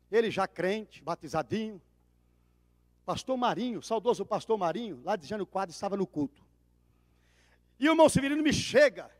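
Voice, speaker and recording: A man with a Brazilian Portuguese accent preaching a sermon as pastor, telling a story with dramatic swings between loud cries and hushed asides. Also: high-pitched, studio quality. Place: church. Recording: reverberant church hall.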